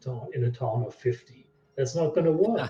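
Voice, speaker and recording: A man's somewhat breathy voice at medium pitch, with ordinary pitch variation. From Germany. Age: 60s. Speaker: area researcher and website owner. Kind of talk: interview.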